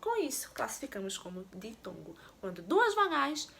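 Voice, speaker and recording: A woman's voice: on the high side, sing-song, normal speed, vocal fry, a bit bright, slightly rough. A woman teacher giving a remote lesson to young pupils, explaining step by step and often asking them questions. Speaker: primary school teacher.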